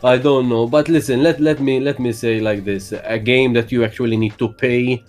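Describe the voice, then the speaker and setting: A man's voice: fairly even intonation, normal speed, darkish tone. A young man from Malta with a Maltese accent, a guest in a casual interview, talking hesitantly with many fillers. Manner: hesitant, many fillers, calls his own voice bassy. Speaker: guest streamer.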